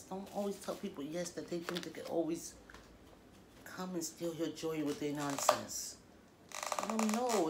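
A woman talks at a moderate pace against loud background noise. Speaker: food vlogger. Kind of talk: casual vlog chat. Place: home room. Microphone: phone near.

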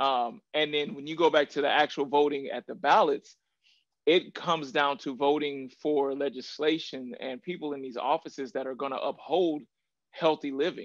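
With an American accent, the speaker keeps a moderate pace, ordinary pitch variation and big swings in loudness, in a dry sound with no echo and a quiet background. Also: man, fairly high pitch for a man. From US Midwest. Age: 40s. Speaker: vegan athlete and social justice activist. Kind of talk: keynote talk to company employees. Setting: video call. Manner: casual, filler-heavy. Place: home room. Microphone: video call.

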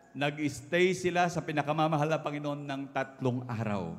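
A man speaks with ordinary pitch variation. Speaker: church preacher. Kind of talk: sermon with prayer and call-and-response. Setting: church with congregation. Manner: animated, exhortative, repeating 'minamahal' and 'hallelujah'; leads crowd shouting and clapping. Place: church. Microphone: handheld.

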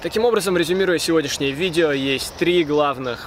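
A man's very fast speech with ordinary pitch variation, a dry sound with no echo, and noticeable background noise. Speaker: fitness coach. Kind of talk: tutorial. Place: open country.

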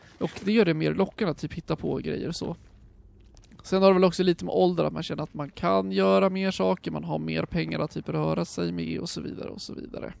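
A man's very fast speech with very wide pitch swings. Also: medium pitch for a man. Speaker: gaming YouTuber. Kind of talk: gameplay commentary with Q&A.

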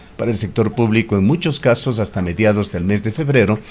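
At a fairly quick pace, a man talks in an unremarkable speaking voice. His pitch is fairly low, with ordinary pitch variation. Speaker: radio host. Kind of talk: radio interview.

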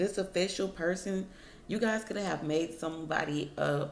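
With light background noise, a woman talks at a moderate pace in a fairly low pitch, using a normal speaking voice and ordinary pitch variation. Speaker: card reader. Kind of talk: tarot reading commentary. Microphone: phone near.

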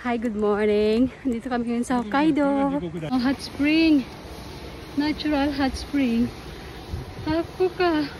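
A high-pitched woman at a very slow pace, long and frequent pauses, ordinary pitch variation, and a dry sound with no echo against noticeable background noise. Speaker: travel vlogger. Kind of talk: casual vlog chat. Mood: playful, laughing. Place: street. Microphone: phone near.

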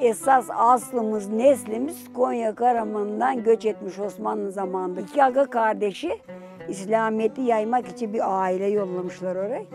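A woman with a Bulgarian accent talks at a fairly slow pace and fairly high pitch, with hardly any pauses. The sound is dry with no echo, and clear music plays in the background. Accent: Bulgarian Turkish. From Bulgaria, Shumen region. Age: 70s. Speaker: Balkan emigrant. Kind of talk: interview answer. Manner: talkative. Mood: warm, cheerful storytelling.

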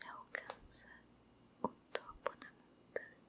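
A woman whispers. Her pace is very slow. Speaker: storyteller. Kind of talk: whispered guided relaxation story. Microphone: studio mic.

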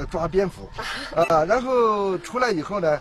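A man speaks at a high pitch with very wide pitch swings. The sound is dry with no echo, though there is noticeable background noise. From Yunnan, southwest China. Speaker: local historian. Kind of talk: casual interview. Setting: outdoors. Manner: halting. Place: open country.

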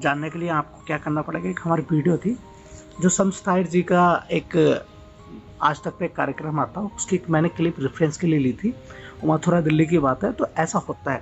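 Faint music plays in the background as the speaker goes at a fairly slow pace with fairly even intonation. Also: man. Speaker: live stream host answering questions. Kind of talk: casual live Q&A chat. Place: garden. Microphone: earbuds.

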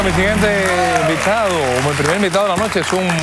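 A man speaks over light background noise. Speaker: talk show host. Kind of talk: late-night talk show interview. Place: studio.

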